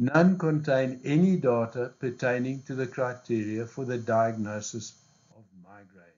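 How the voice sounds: A man talks at a fairly slow pace in a medium-pitched, slightly mellow voice with ordinary pitch variation. The room echo is audible.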